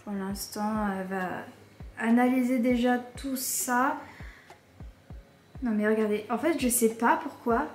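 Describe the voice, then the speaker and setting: A woman vlogging casually to camera with a stuffy nose from allergies, rambling and filling pauses as she talks. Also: a little high. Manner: chatty, rambling, with many fillers and restarts. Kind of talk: casual vlog chat to camera. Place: indoors in a holiday rental, later outdoors by a bay. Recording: roomy echo with faint background music.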